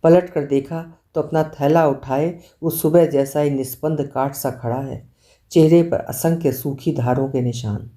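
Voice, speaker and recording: A woman's voice: low voice, fairly even intonation, unhurried, warm tone. A woman reading a literary short story aloud, narrating expressively and acting out the dialogue. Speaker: story reader.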